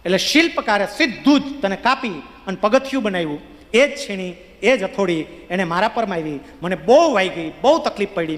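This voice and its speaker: Patient, wise temple idol voiced by a male speaker in a story, very high pitch, long hall reverb. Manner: patient, explaining.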